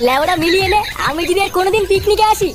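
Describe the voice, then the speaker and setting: A woman's voice: very high-pitched, very fast. A woman voicing a hot-tempered, foul-mouthed young man in a cartoon, scolding and cursing. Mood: angry. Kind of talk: cartoon voice acting. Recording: music behind.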